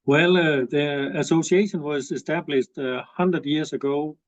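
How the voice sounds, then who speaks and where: Danish-accented man, halting and muffled. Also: on the high side, fairly even intonation, no echo. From Denmark. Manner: halting, with many pauses and fillers. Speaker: guest, executive director of a cultural association. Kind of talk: casual interview answers.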